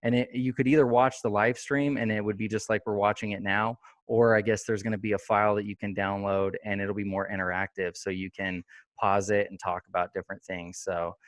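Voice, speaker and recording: Low-voiced man hosting a chatty podcast. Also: little pitch movement, brisk, no room sound. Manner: rambling, many fillers and restarts. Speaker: podcast host. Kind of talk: casual interview chat.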